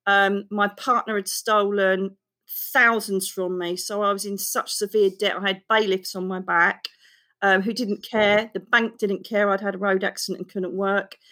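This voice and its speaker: A middle-aged woman who is an author, telling her personal story in an interview in a frank, expressive way that runs on quickly. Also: mid-range voice. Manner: emotional, expressive, fast-running storytelling. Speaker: guest author.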